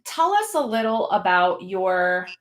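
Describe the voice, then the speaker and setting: A woman's voice: medium pitch, sing-song, unhurried. A woman hosting a casual livestream interview, chatty and giggly, rambling between thoughts. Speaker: host, mortician.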